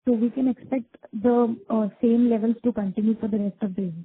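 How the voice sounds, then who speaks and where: A woman's voice: a little high, steady tone, a little fast, slight background noise. A woman with an Indian accent asking questions as an analyst on an earnings conference call. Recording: narrowband phone line.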